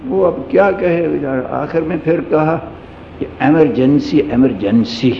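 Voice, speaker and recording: A man's voice: a little high, vocal fry, a little hiss or hum. A man giving a sermon, telling a humorous personal anecdote in a storytelling manner. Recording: echoey hall, dull lo-fi sound.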